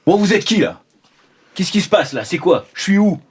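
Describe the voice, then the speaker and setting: A big, balding bruiser played by a man in an improvised audio role-play, on edge and quick to challenge. His pitch jumps around as he bluntly squares up. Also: very animated, breathy edge, full character voice. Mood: panicked, defensive. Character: big balding man, gruff, panicked and defensive, wrench raised.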